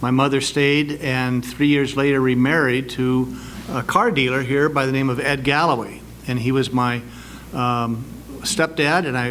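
Through noticeable background noise and audible room echo, a man with an American accent speaks at a medium pitch and moderate pace with fairly even intonation. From Tucson, Arizona. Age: 70. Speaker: political candidate. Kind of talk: candidate forum statement. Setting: library event with live audience. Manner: hesitant, frequent fillers.

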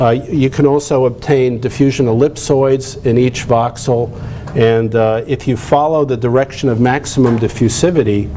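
A man speaks with fairly even intonation at a moderate pace while light noise sits in the background. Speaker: invited scientist lecturer. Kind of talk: lecture. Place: hall.

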